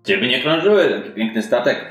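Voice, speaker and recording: A man's voice: mid-range voice, big pitch swings, a little fast, a bit bright. Guy doing a cranky old sailor in a tabletop rpg, impatient n grumbly, bit of music behind. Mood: gruff, proud. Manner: curt, grumbling, folksy. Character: gruff, impatient old sailor, grey and tattooed. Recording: roomy sound with music underneath.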